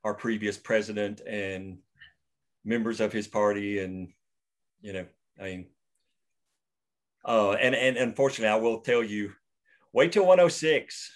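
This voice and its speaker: A man's voice: on the low side, a little slow, pauses often. A man hosting a table read discussion, rambling and opinionated as he goes off on tangents over a video call. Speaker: writer and host of the table read. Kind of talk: casual discussion.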